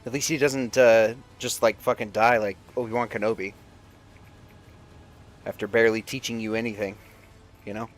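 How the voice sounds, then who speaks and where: A man giving informal, halting, sometimes profane commentary while livestreaming a video game. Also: on the low side, little pitch movement. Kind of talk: casual gameplay commentary with lore asides. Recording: game music behind the voice. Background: video game music and sound.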